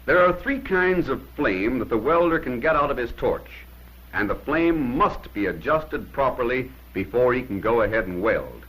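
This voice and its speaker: A man with a husky, widely swinging voice narrates like a 1950s instructional film, delivering short, plain-spoken instructions with firm emphasis. He sounds very animated at a normal speed, with a fairly bright tone. The poor audio comes from an old film soundtrack.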